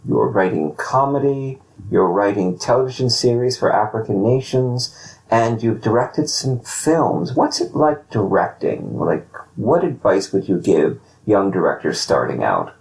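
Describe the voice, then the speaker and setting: A man hosting a podcast interview in a conversational style, with measured, deliberate phrasing. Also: on the low side, animated, creaky, a little mellow, low-quality recording. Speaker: podcast host.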